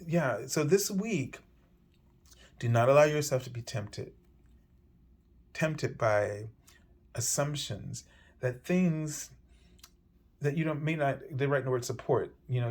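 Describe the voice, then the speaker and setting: A man with a medium-pitched voice leads a weekly tarot reading. He talks gently and circles around his points, often pausing on fillers and starting over. His voice carries a slight hoarseness. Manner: meandering, gentle, many fillers and restarts. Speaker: tarot reader.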